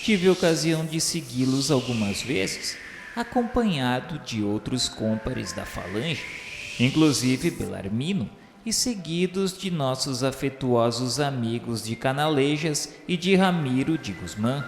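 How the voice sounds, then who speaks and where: A slow, solemn male spirit played by a man narrates his memoirs in a Brazilian accent for a radio novel. The delivery is formal and measured, at a middling pitch. It rings with long hall reverb over music. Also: animated.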